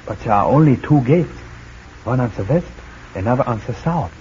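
A man's voice: medium pitch, expressive, moderate pace, darkish tone, close to an everyday voice. Curt underground fighter played by a guy, stiff phrasing, old radio drama, muffled with hiss. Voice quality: stiff foreign word order. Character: Dutch underground resistance man, curt. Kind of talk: 1940s radio acting. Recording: dull old radio recording, faint hiss.

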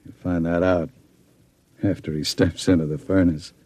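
An actor playing a cold, scheming gang boss in an old radio drama, with a smooth, sardonic menace. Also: male voice, low-pitched, steady tone, moderate pace, darkish tone, no echo. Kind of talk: 1940s radio acting.

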